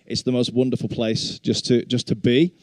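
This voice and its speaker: A man's voice: mid-range voice, level tone, moderate pace, darkish tone, dry recording. A middle-aged man with a Black Country accent gives an informal sermon in a chatty, self-deprecating way. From English Black Country. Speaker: guest preacher and worship leader.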